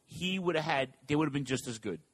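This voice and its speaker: A man's voice: a little high, dry recording. Chatty man on a dry mic. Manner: animated, fast asides, reads listener questions. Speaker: podcast co-host. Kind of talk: casual wrestling talk.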